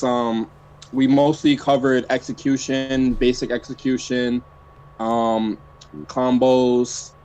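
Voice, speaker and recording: Relaxed man coaching over a call. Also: mid-range voice, low-quality recording. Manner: relaxed, filler-heavy talk. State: chewing mints. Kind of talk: casual online coaching chat.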